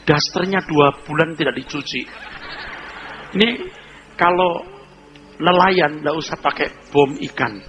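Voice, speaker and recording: Joking male pastor with a higher voice. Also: unhurried, pauses often, slight background noise, low-quality recording. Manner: lively, joking, acts out little scenes. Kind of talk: humorous storytelling sermon.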